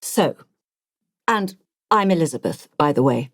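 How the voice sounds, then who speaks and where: A woman voicing a commanding, polite lady in her eighties, brisk and genteel, for an audiobook. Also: low voice, lively intonation, heavily acted. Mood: taking charge.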